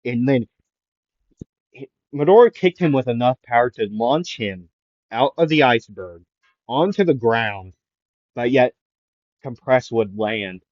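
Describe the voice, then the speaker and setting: Casual male narrator who rambles through an improvised fan story; unhurried, dry muffled recording. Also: mid-range voice, expressive, a little mellow, no echo. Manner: rambling, self-interrupting, filler-heavy.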